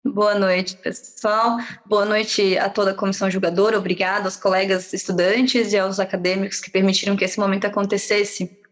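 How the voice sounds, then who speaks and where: A woman medical student with a Brazilian accent reads her own prose piece aloud over a video call, measured and reflective, with pauses between phrases. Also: mid-range voice, little pitch movement. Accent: Brazilian Portuguese.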